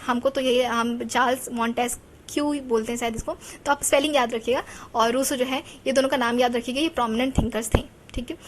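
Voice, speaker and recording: A woman's voice: high-pitched, slight background noise. A young woman teacher giving a casual lecture, chatty, mixing English terms into her talk and asking rhetorical questions.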